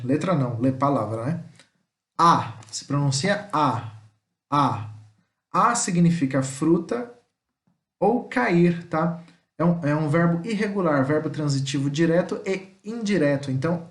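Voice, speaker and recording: A male teacher giving an online language lesson, explaining patiently and checking in after each point, sometimes sounding out words slowly. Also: on the high side, roomy sound.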